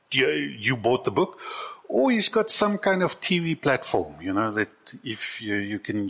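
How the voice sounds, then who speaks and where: Husky pastor preaching. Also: male voice, on the low side, a bit bright. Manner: conversational preaching, shifts into acted quotes. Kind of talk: sermon.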